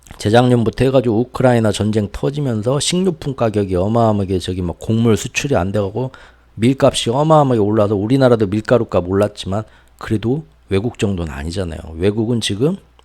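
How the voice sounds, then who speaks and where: Speaking at a very fast pace, a man with a fairly low pitch and a dark, mellow tone uses ordinary pitch variation. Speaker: economics commentator. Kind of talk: casual monologue commentary. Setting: solo livestream-style recording. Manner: words often tangled, mispronounces; conversational, filler-heavy.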